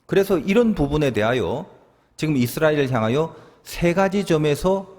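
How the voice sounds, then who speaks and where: A man's voice: on the high side, expressive, normal speed, a little mellow. A man preaching a sermon as pastor, talking animatedly and acting out quoted lines. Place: church sanctuary. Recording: long reverb of a church hall.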